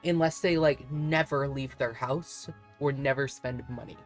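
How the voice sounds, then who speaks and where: A woman's voice: extremely low pitch, steady tone, unhurried. Chatty woman streamer, rambling casually. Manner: chatty, rambling, laughs often. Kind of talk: casual chat while gaming. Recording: faint music behind.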